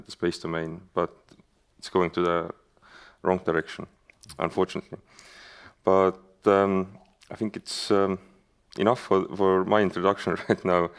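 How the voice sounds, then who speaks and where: A man with an Estonian accent moderates a conference panel from the stage. His voice sits very low with a gravelly edge, yet comes through smooth and resonant. He talks haltingly, filling gaps with uh and um. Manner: hesitant, many fillers and restarts.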